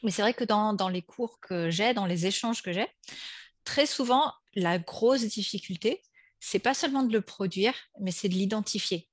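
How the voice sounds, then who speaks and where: A woman who teaches languages, hosting an interview and talking in a lively way. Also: medium pitch, moderate pace, no room sound, clean studio sound. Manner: lively, animated when acting out examples. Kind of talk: interview conversation.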